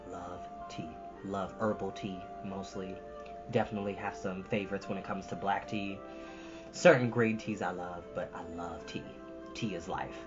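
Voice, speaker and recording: A storytime host and reader with a very low voice alternates between chatty asides and expressive book reading, sounding earnest and encouraging. The recording is dull and lo-fi, with music playing underneath.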